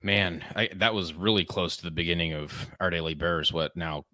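A man co-hosting a casual podcast, talking in a halting way with many fillers and restarts. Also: deep voice, pushed and bright, dry recording, clean studio sound. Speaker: podcast co-host. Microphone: podcast microphone.

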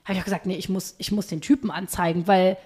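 A woman's voice: on the low side, steady tone, fast, a little mellow, husky. A young woman co-hosting a podcast, casually telling personal stories in colloquial language. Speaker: podcast host. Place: recorded at a home.

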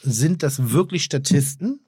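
A man's voice: a little high, lively intonation, measured pace, a little mellow, breathy edge, no room sound. Effusive rambling man, dry close mic. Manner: rambling, effusive, trailing off and restarting. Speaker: podcast co-host, restaurateur. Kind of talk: casual podcast chat.

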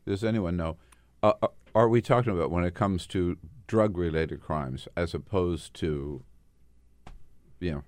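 A man's voice: low-pitched, a little slow, a little mellow, no room sound. An older man hosting a talk radio show, quizzing his guest with wry, sarcastic asides.

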